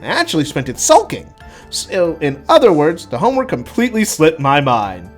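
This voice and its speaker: Man, animated pitch, dramatic amateur story reading, expressive, music behind. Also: moderate pace. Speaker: writer reading own work.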